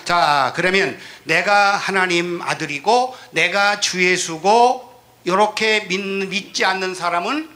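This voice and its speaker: A male pastor from Chungcheong teaching a Bible class, leading the class in repeating lines after him and swinging from quiet asides to shouted declarations. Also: sits high, takes it slowly. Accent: Chungcheong Korean. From Chungcheong, Korea. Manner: leads call-and-response reading, swings from soft to shouting. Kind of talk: sermon-style Bible class.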